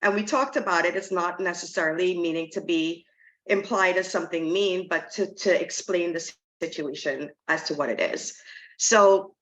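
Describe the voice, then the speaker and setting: Plainspoken and frank, this interview guest is a middle-aged Trinidadian real estate agent speaking in a conversational way. Her voice sits on the low side with a bit of brightness, her pace is moderate, and the recording quality is low.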